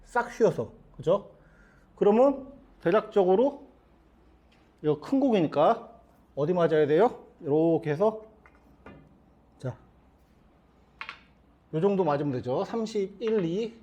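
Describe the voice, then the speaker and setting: A man's voice: high voice, expressive, takes it slowly, long pauses, mellow, dull audio. A middle-aged man teaching billiards at the table, explaining each shot step by step and asking his students questions as he goes. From South Korea. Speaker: billiards instructor. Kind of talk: demonstration lesson.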